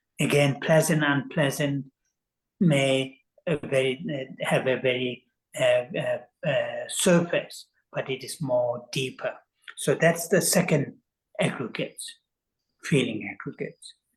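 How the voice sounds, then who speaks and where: The speaker talks at a very slow pace with long, frequent pauses, in a Tibetan accent. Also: man, fairly high pitch for a man, ordinary pitch variation. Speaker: Buddhist teacher. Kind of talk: lecture. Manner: halting.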